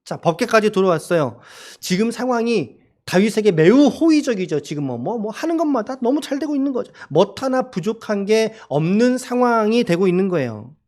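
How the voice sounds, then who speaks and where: A man's voice: high voice, big pitch swings, normal speed, darkish tone. A man preaching a Sunday sermon as pastor, talking conversationally, asking the congregation questions, and acting out quoted dialogue. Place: church service.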